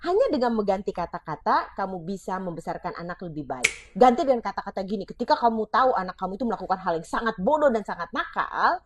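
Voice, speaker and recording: A woman's voice: mid-range voice, background noise. A woman giving parenting advice in a scripted monologue, acting out the parent and child lines in short voices.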